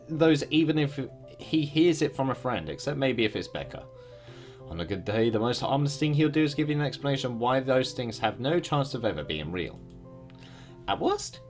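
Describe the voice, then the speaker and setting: A man reading a visual novel aloud as the streamer, expressive, with his own asides. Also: mid-range voice. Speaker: game streamer.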